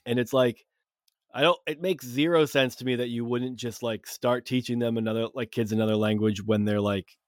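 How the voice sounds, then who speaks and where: A man's voice: medium pitch, steady tone, moderate pace, no echo, studio quality. A young man hosting a podcast, talking in rambling casual chat with many fillers. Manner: rambling, heavy on fillers and restarts. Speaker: podcast host.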